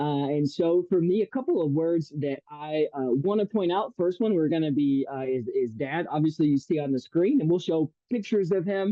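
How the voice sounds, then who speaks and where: An American accent with lively intonation and hardly any pauses. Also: man, fairly high pitch for a man. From US South, rural. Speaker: outreach manager presenting a webinar. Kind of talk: webinar presentation. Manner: casual, many fillers.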